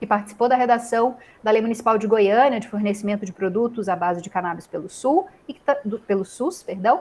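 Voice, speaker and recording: This woman has an unremarkable speaking voice. Her pitch sits fairly high, with ordinary rise and fall. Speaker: TV talk show host. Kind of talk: remote TV interview. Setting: remote video call.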